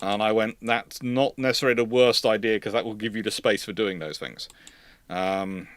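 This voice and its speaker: A man's voice: on the low side, steady tone, normal speed, dry recording. A British man hosting a casual history question-and-answer stream, rambling and often stammering and repeating words as he explains. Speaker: livestream host.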